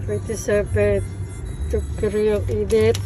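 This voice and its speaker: A woman's voice: medium pitch, flat delivery, takes it slowly, over music, rough recording. A young Filipino woman chatting casually as a vlogger and mother in a home family video. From Philippines. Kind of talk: casual family vlog chat.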